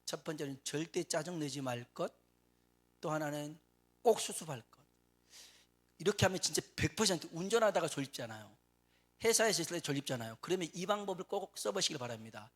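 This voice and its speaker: A man preaching a Sunday sermon as a pastor, quizzing his congregation with questions and reading scripture slowly and solemnly. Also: on the high side, expressive. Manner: reads scripture slowly and solemnly, swells louder on emotional lines. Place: church sanctuary.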